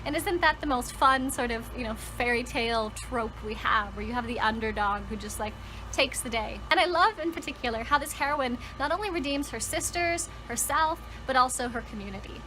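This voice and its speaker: A woman's voice: a little high, a little fast, background noise. A woman talking casually and enthusiastically to viewers as a book vlogger, conversational and leaning on words for emphasis. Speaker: book vlogger and storytelling channel host.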